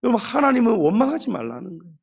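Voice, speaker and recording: A male pastor gives a Sunday sermon in a high-pitched, very animated voice that is a little mellow and slightly rough, with vocal fry. He's emphatic, speaks straight to the congregation, and stretches important words by slowing down.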